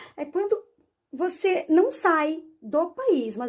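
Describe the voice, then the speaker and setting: With very wide pitch swings, a woman talks in an animated tone. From Brazil, Santa Catarina (Criciúma). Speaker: schoolteacher. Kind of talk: online class lesson.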